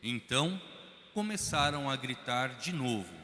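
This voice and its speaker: A Brazilian man narrating a liturgical Passion reading in an even, measured way in a large church. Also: mid-range voice. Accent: Brazilian Portuguese. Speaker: narrator reader. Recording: long church reverb.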